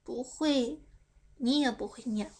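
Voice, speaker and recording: Playful high-voiced young woman livestreaming. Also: slow, mellow. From China. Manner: playful, giggly, reads fan comments aloud, stumbles over English. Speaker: idol livestream host. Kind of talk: casual livestream chat with fans.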